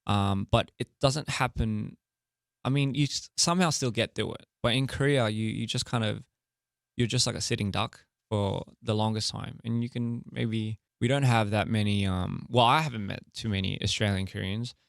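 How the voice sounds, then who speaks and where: Young male interview guest: deep-ish, grainy, easygoing chatter, dry close sound. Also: moderate pace, creaky, no echo. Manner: relaxed and candid, many fillers and laughs. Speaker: interview guest, music artist and director. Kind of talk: casual interview chat.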